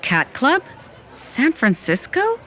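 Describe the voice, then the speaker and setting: A woman's voice: high-pitched, wildly swooping pitch, takes it slowly, sharp tone, some chatter behind, exaggerated voice. A woman playing a wry undead Latina goth who narrates her own story in a dramatic comic audio fiction style. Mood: anxious, searching.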